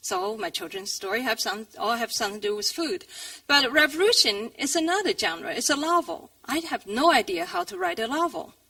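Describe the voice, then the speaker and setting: A woman uses a raised, projected voice, high in pitch with very wide swings, at a fairly quick pace. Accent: Chinese. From China. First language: Chinese. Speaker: author. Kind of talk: author talk to audience.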